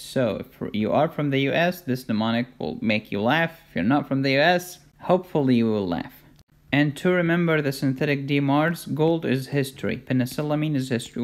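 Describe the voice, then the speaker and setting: An Egyptian-accented man narrates a medical lesson as a voice-over. His pitch sits in the middle range for a man. He teaches with emphasis, asks himself questions and slips in jokes. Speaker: medical lecturer. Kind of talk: whiteboard medical lecture. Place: voice-over recorded for a drawn lecture video.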